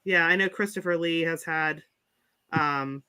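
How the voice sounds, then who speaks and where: Appalachian woman podcast host, bright sharp voice, giggly, trails off mid-sentence. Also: deep voice, measured pace, clear, resonant tone, no echo. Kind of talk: casual chat.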